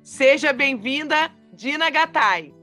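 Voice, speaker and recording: A woman's voice: high voice, animated, takes it slowly, bright, forceful tone, soft background music. A woman hosting an interview podcast, encouraging her guest and talking with frequent fillers. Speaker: podcast host.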